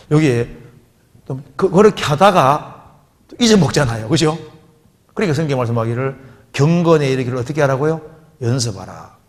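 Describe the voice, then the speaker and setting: A man's voice: medium pitch, long reverb tail. A man preaching a sermon as a pastor, often asking his listeners rhetorical questions and quoting scripture.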